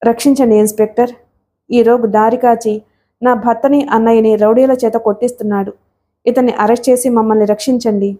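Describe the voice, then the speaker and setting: A woman's voice: a little high, fairly even intonation, a little fast, mellow, lightly acted. A woman voicing a desperate young wife begging for rescue in a storybook reading. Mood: pleading. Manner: pleading, distressed.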